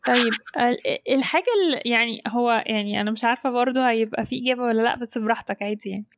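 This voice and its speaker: A woman with an Egyptian Arabic accent, co-hosting a podcast and asking questions in a gentle, easy way. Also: fairly high pitch, steady tone, rapid-fire, no room sound. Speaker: podcast co-host. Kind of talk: casual podcast conversation.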